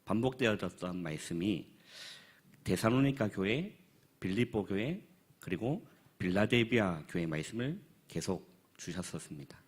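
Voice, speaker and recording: A man in his thirties speaks with a low, husky voice as a pastor. He reports to a church forum in an earnest, halting way and often pauses on fillers. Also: lively intonation. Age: 30s.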